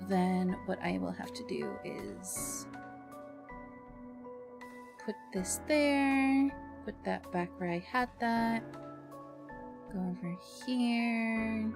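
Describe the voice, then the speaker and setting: A woman hosting a livestream in casual, chatty talk with self-deprecating grumbling, speaking into a streaming mic. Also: mid-range voice. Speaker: livestream host.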